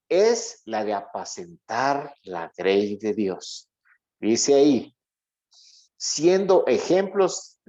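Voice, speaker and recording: Slow, lively Bible teacher on a dull line. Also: male voice, medium pitch. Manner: reads scripture aloud, then checks in with listeners often. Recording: dull lo-fi sound.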